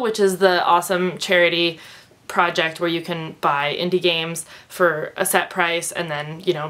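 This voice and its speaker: A young woman with a stuffed-up nose talks through her favorites in a loose, rambling vlog. Her voice sits a little low, and she chats casually, full of fillers and small laughs. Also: fairly bright tone. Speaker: vlogger.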